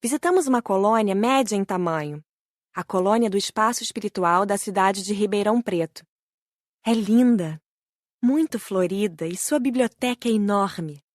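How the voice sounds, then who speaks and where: A woman with a Brazilian Portuguese accent reading a spiritual book aloud as a first-person narrator, gentle and admiring. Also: mid-range voice, moderate pace, dry recording, clean studio sound. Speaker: audiobook narrator.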